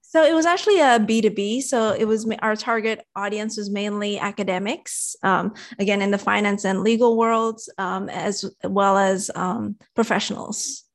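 A woman's voice: medium pitch, fairly even intonation, moderate pace, hardly any pauses. A woman in her thirties from Indonesia, raised in Sydney, whose first language is Indonesian, speaking as an interview guest over a video call in an articulate, upbeat way. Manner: articulate, upbeat, laughs easily. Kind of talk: casual interview.

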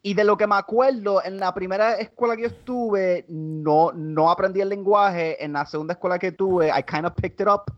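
A Puerto Rican man talking casually as a podcast guest, with a voice a little higher than most men's. He stumbles and restarts often, dropping English words into his Spanish. The sound is somewhat dull and muffled. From Puerto Rico. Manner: halting, many restarts, slips into English. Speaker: guest comedian.

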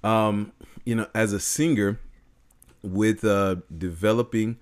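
A man's voice: on the low side, steady tone, slow. A man who sings and has a big voice, co-hosting a casual chat with hesitant restarts and easy laughter. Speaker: podcast co-host, singer.

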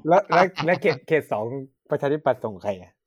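A man co-hosting a podcast, casually chatting about politics and jumping in with quick questions. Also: on the high side, animated, breathy edge, dry recording, dull audio. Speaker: podcast co-host.

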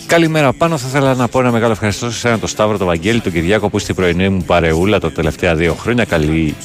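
Low-voiced male morning radio host. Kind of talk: casual morning sports radio chat, reading listener messages. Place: radio studio. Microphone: studio microphone. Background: quiet music.

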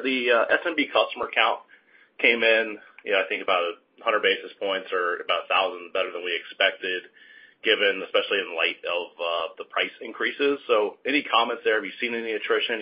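A man speaking as a financial analyst, asking brisk, informal questions on an earnings call. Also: lowish voice, breathy edge. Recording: muffled lo-fi call audio.

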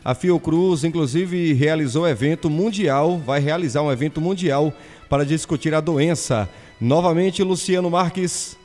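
A man's voice: on the high side, moderate pace, darkish tone, long reverb tail, faint music behind. A man anchoring a radio news show with chatty, upbeat asides between items. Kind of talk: live news presenting.

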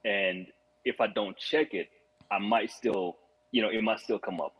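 A man's voice: on the low side, unhurried, fairly bright tone, slightly rough. A man from Rwanda, a guest on a podcast, telling his story in a reflective, earnest way with frequent restarts. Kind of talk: casual podcast conversation. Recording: muffled lo-fi audio.

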